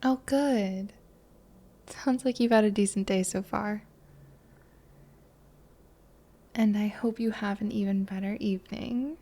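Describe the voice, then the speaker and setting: Woman acting a smitten, soft-spoken flirty date, lightly gravelly. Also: mid-range voice, fairly even intonation, moderate pace, natural voice. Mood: tender, excited. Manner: soft, flirty, reassuring, with small chuckles. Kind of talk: romantic audio roleplay, one side of a conversation.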